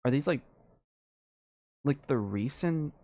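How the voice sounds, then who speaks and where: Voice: mid-range voice, expressive, takes it slowly, dark tone. Hesitant game streamer thinking aloud. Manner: hesitant thinking aloud, trailing off mid-sentence. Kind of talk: casual live gameplay commentary.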